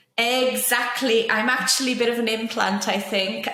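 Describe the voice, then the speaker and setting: The intonation is fairly even, with audible room echo and noticeable background noise. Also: woman. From England. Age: 50s. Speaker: travel company founder. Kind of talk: podcast interview.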